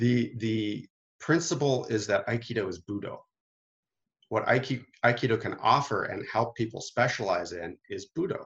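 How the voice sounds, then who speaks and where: A fairly slow pace with ordinary pitch variation, a normal speaking voice. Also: man, medium pitch for a man. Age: 30s. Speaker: martial arts teacher. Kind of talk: casual chat.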